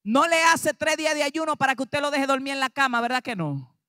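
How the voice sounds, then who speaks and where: A woman pastor with a Dominican Spanish accent preaching an animated sermon, acting out dialogue and rising to shouts. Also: high voice, fairly quick, dry recording, clean studio sound. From Dominican Republic.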